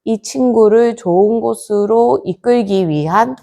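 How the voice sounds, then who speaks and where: A woman's voice: a little high, unhurried, creaky, mellow. A woman, a Buddhist nun, gives a temple lecture, telling a story and posing questions to her class.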